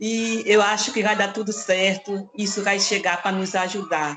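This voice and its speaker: A woman takes her time at a fairly slow pace, with noticeable noise behind her. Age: 60s. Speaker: participant from social organization. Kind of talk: question in online training session.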